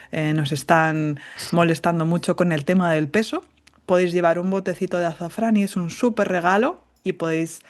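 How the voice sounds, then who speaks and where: A woman from Spain with a light La Mancha accent, a Spanish teacher and podcast guest who speaks with careful articulation and a joking, chatty manner. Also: fairly low pitch. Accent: light Castilian Spanish from La Mancha. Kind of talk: casual conversational interview.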